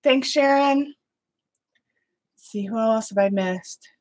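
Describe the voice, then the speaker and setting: A middle-aged woman hosting a live watercolor painting stream, chatting with viewers between steps in a loud, halting way full of fillers. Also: fairly high pitch. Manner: loud voice by her own account, halting with fillers and restarts. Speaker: watercolor livestream host.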